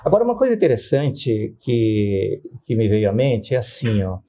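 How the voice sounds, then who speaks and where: Mellow-voiced man in his fifties. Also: on the low side, big pitch swings, normal speed. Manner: frequent tag questions seeking agreement. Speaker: interview guest. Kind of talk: conversational personal testimony.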